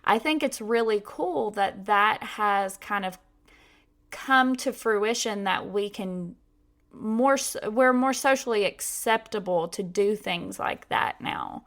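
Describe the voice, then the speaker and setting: A woman's voice: mid-range voice, slow pace, fairly bright tone. A young woman hosting a podcast, talking casually with many filler words. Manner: chatty, lots of "like" fillers. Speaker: podcast host.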